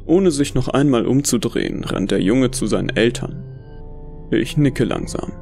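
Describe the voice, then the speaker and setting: Gravelly man narrating a horror story. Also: mid-range voice, lively intonation, normal speed, darkish tone, soft background music. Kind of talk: first-person scripted horror story narration.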